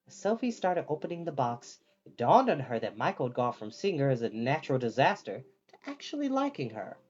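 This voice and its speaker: A storyteller reading a children's book aloud in an expressive, animated way, acting out the dialogue. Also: medium pitch, a little fast, breathy edge, dull audio.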